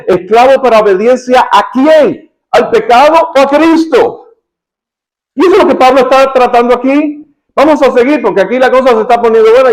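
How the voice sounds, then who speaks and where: A man with a Cuban accent preaching a sermon, shifting between soft quoted passages and emphatic rising questions. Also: extremely high pitch, low-quality recording. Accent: Cuban Spanish. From Cuba. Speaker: pastor.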